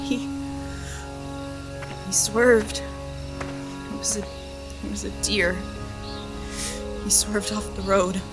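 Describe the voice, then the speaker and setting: A woman playing a frightened, injured young crash survivor in an audio drama, halting and pleading as she repeats herself. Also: medium pitch, steady tone, vocal fry, music in the background. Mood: shaken, tearful. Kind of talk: naturalistic audio drama acting.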